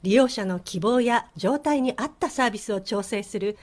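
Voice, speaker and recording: A woman playing a clear-spoken social worker. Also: fairly high pitch, moderate pace, close to an everyday voice. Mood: explanatory. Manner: clear, explanatory, polite. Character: female medical social worker, explaining clearly. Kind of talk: scripted explanatory dialogue.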